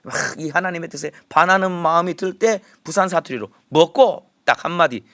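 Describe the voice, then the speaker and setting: A man's voice: fairly high pitch, a little fast, a bit bright, no echo, clean studio sound. A male pastor with a Gyeongsang accent giving an emphatic early morning sermon and leading the congregation in repeating phrases. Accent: Gyeongsang Korean. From Gyeongsang region.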